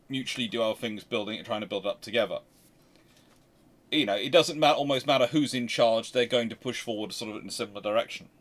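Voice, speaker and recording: A man's voice: medium pitch, a bit bright. A man hosting an unscripted history discussion, talking emphatically and rambling, often restarting his sentences mid-thought. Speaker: host and naval historian.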